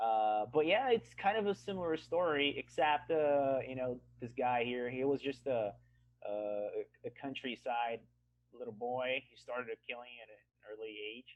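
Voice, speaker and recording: This voice has a Portuguese accent, moves at a moderate pace and shows ordinary pitch variation. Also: man. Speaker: podcast co-host. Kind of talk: casual chat. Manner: halting.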